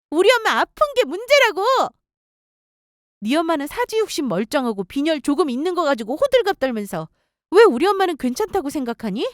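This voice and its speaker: A woman's voice: high-pitched, no room sound, studio quality, voice pushed up. A woman voicing a furious, scornful young fiancée in a dramatized story.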